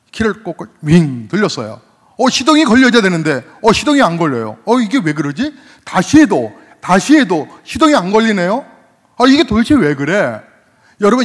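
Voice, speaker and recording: Korean pastor preaching with sweeping pitch. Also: male voice. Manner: swings from loud cries to hushed low asides; acts out everyday scenes in quoted voices. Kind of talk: sermon. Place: church sanctuary. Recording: long hall reverb.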